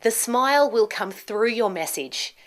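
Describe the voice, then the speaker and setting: A woman in her thirties giving a scripted pronunciation lesson, enunciating carefully and deliberately with marked word stress. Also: a little high, lively intonation. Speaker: pronunciation teacher. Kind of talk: instructional lesson to camera, scripted. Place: small indoor studio with plain backdrop.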